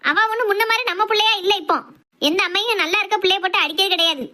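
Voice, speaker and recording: A woman playing a sharp-tongued middle-aged housewife and strict mother, talking sarcastically. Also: very high voice, very fast. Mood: scolding. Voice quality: scolding, sarcastic. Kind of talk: comic family skit.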